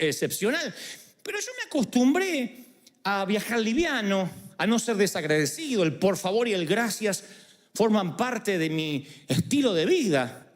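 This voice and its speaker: An animated preacher with a high, swooping voice delivers a sermon. He tells stories with comic flair. A long reverb from the church trails every phrase. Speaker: pastor. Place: large church auditorium.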